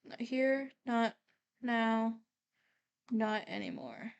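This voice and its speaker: Casting: female livestreamer, fairly high voice, candid and casual, thinks aloud while reacting. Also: extremely slow, vocal fry, smooth, highs cut off. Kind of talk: casual reaction commentary on a horror series.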